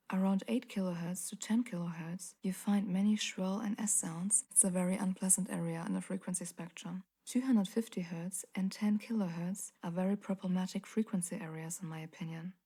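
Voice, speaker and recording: A woman with a very deep voice giving a calm, partly whispered audio tutorial into a condenser mic in a home studio. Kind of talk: calm instructional voice-over. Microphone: large-diaphragm condenser studio mic.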